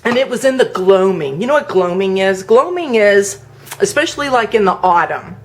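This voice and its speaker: A woman's voice: mid-range voice, animated, moderate pace. A middle-aged woman vlogger casually telling a personal story, chatty and laughing often. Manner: chatty, laughs often, acts out quoted voices.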